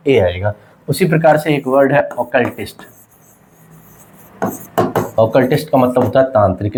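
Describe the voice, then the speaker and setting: A man's voice: on the high side, a little mellow. A man teaching a grammar lesson, asking rhetorical questions, voicing his students' questions himself and answering them. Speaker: English teacher. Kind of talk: classroom lesson.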